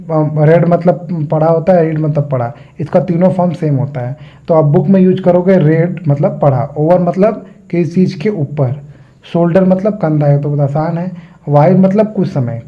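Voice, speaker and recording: Teacher guy going through english words one by one with everyday examples, kinda muffled lo-fi audio. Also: on the high side. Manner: explains each word with everyday examples. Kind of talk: vocabulary lesson. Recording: dull lo-fi sound.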